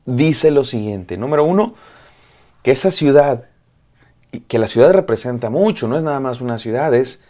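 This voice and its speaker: A man's voice: medium pitch, expressive, moderate pace, dark tone. A man, a pastor, preaching a devotional sermon, repeating phrases in rhythmic lists and speaking straight to the listener.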